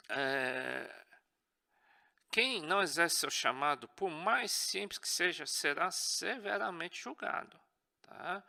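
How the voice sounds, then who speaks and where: Bright-voiced Brazilian man teaching a church class. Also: fairly high pitch, creaky. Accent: Brazilian Portuguese. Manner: earnest, checks in with the class often.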